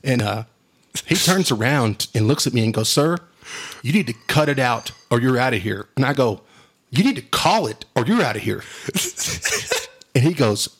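A middle-aged man with a drawl tells stories in a booming voice that has a husky grain. He is animated and laughs easily, and he drops "dude" into almost every sentence. He speaks at a medium pitch for a man. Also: moderate pace, long pauses. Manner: animated, laughs often, says "dude" a lot. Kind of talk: casual storytelling chat.

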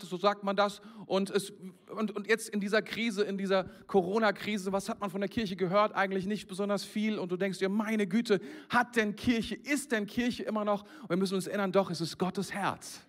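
A man preaching a lively sermon as pastor, speaking directly to his congregation and often restarting sentences. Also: sits high. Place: church service with a congregation present.

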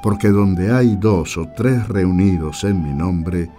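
A man reading scripture as a Gospel reader, solemn, measured and deliberate. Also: deep voice, warm tone, soft background music.

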